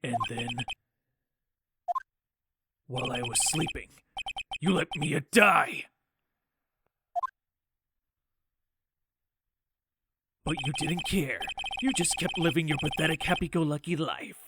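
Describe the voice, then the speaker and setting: Man acting a gravelly, brooding, bitter ex-lawyer. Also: a little high, a little slow, pauses often, heavy background noise. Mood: bitter, accusing. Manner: brooding, confessional, theatrical monologue. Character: remorseful, bitter masked former defense attorney, a grown man. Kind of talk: dramatic visual-novel game fan dub. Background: loud music.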